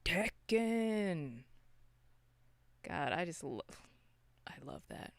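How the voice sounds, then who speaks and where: Podcast co-host, smooth clear voice, close dry sound, mid-range pitch, loose rambling film chat. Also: big pitch swings, extremely slow, no room sound. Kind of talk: casual unscripted film discussion.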